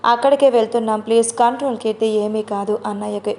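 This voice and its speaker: A woman's voice: fairly high pitch, fairly even intonation, quick pace, a little mellow, slight background noise, natural voice. A woman voicing a young woman who comforts her friend while hiding her own fear in an audio drama. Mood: reassuring. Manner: reassuring, holding back fear.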